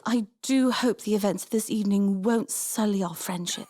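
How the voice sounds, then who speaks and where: A woman's voice: mid-range voice, normal speed, warm tone, close to an everyday voice. Woman as a gushing, genteel lady hostess. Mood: sweetly dismayed. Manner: effusive, apologetic, dainty formal phrasing.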